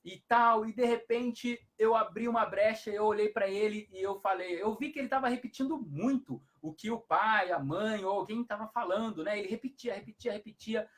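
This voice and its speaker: A man's voice: sits high, moderate pace, hardly any pauses. A man, a hypnotherapist giving parenting advice on a live stream, who explains things repetitively and often adds tag questions.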